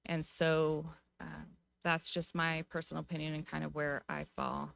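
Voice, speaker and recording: An American woman speaking as a city council member at a public meeting, giving her view in a measured, informal way. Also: sits low, flat delivery, gravelly, a bit bright, no echo. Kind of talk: deliberative public meeting remarks.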